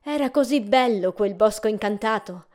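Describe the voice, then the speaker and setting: A woman gently narrating a fairy tale in a measured storytelling way. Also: mid-range voice.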